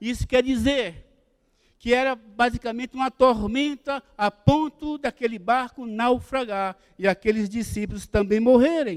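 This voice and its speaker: A man speaks at an extremely high pitch and a fairly slow pace, with ordinary pitch variation. The sound is dry and close, without echo. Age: 60s. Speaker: pastor. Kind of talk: sermon.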